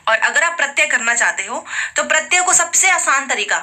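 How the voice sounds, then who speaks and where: A woman with a very bright, somewhat high voice teaches a grammar lesson. She explains patiently and says the example words aloud again and again, asking her students to repeat them. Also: lively intonation, fairly quick.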